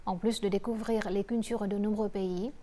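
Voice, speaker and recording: A woman's voice: medium pitch, steady tone, normal speed, mellow. A woman presenting the news, reading a scripted introduction to a report.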